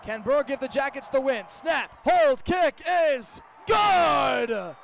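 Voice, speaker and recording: A man's voice: very high voice, animated, slow, fairly bright tone, raised voice, a faint crowd, slight background noise. A young American man calling live football play-by-play in an emphatic, dramatic way. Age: young adult. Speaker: sports play-by-play announcer. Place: stadium football broadcast.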